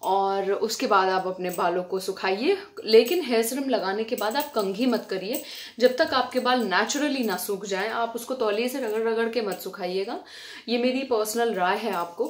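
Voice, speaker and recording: A woman's voice: on the high side, moderate pace. A woman from India giving a casual, chatty hair-care tutorial at home, talking straight to her viewers as friends. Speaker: beauty vlogger. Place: indoors at home, fan switched off.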